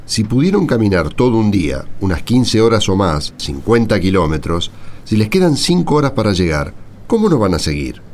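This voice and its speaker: Man acting an animated, encouraging pilgrim. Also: lowish voice, normal speed, slight background noise. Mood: persuasive. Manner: coaxing, encouraging. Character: friendly, persuasive male stranger cheering on weary pilgrims. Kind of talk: radio play acting.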